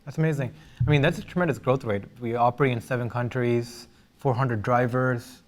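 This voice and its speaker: A man's voice: medium pitch, fairly even intonation, fairly quick. Man, interview host, casual questions, stumbles and restarts, lots of ums. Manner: rambling, self-correcting questions with fillers.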